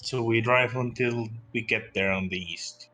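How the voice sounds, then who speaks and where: A man's voice: medium pitch, a little slow, sharp tone. A man playing a tabletop game, bantering casually with the group.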